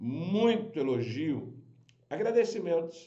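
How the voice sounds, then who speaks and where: A man talks with lively intonation, and audible room echo surrounds his voice. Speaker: pastor. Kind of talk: livestream talk to viewers. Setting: live stream. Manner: quiet today.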